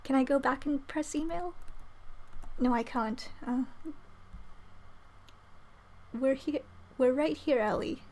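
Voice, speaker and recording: A woman streaming a game, commenting casually and reading the dialogue aloud in an animated way. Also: high-pitched, slow, long pauses. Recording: slight background noise.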